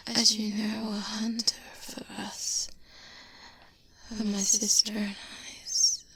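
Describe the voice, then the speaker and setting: Whispering right up against a close binaural microphone, with background noise clearly audible, a woman voices a polite but subtly threatening female vampire, world-weary and protective. Her mid-range voice is exaggerated, her mood grave and wounded, and her speech formal, hushed, deliberate, and diplomatically measured.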